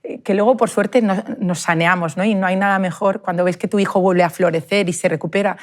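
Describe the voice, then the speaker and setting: A woman, a parent telling her family's experience in an earnest, emotional way, often halting and restarting. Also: on the low side, steady tone. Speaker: parent of a bullied child. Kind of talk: personal testimony in a group conversation.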